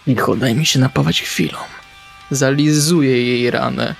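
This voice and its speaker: A man playing a tabletop RPG, narrating his character's actions in the first person in short, deliberate phrases. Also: mid-range voice, gravelly. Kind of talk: first-person roleplay narration over game session. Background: soft guitar music.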